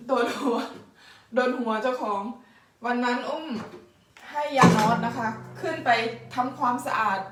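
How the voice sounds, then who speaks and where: Woman vlogger, chatty and friendly, a little high-pitched, recorded from a few steps off the camera in a bare, echoing house. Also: a little slow, very noisy. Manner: chatty and warm, addresses viewers as older siblings. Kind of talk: casual home-tour vlog. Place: indoors in a house under renovation. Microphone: camera mic. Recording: echoey room, distant from mic.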